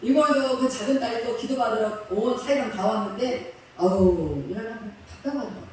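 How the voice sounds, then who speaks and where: A woman pastor with a voice on the high side tells a story in her sermon, speaking fairly quickly in a chatty, colloquial way and laughing along with the congregation. She's in a church sanctuary, recorded from far off in an echoey hall with a little hiss or hum.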